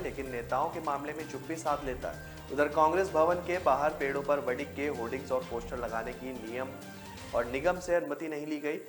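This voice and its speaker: A man reading a scripted news bulletin as the anchor, with music behind him. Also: medium pitch.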